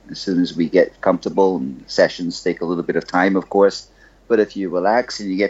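A man's fairly quick delivery with ordinary pitch variation. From Bahamas. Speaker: architect and photographer. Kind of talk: interview.

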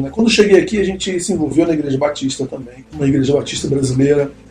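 Music plays in the background as a man with a fairly high pitch talks with ordinary pitch variation. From Brazil (Petrópolis, Rio de Janeiro state). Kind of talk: casual interview chat.

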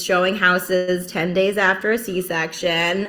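The voice carries an American accent. There is noticeable background noise behind it. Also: woman. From New Jersey. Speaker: realtor. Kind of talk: casual chat.

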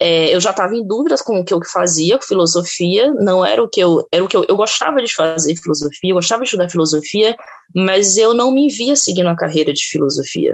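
A woman talks at a moderate pace with a medium pitch and lively intonation. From Northeast Brazil (Aracaju, then Fortaleza). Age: 30s. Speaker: art student. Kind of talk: interview. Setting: video call. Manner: halting, many fillers and repetitions.

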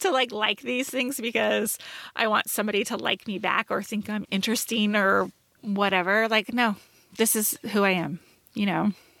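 A woman speaks at medium pitch and a moderate pace, her tone bright and sharp with vocal fry. Her intonation is fairly even, and the sound is dry and close with no echo. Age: 40s. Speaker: podcast co-host. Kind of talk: casual chat.

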